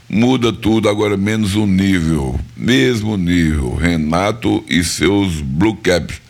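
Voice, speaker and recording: A man from northeastern Brazil, hosting a live radio music show, slightly hoarse and chatty, repeating details for listeners. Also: low-pitched. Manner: chatty, repeats phone numbers and tags lines with "viu?" and "né?". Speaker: radio host. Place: radio studio.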